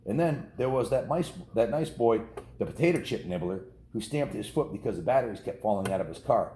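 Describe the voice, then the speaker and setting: An American man in his fifties with a low-ish, warm, expressive voice reads a children's book aloud to kids, a little fast. His storytelling is folksy and informal, with casual asides, frequent repetition and small self-corrections. The recording has a roomy echo and faint background noise.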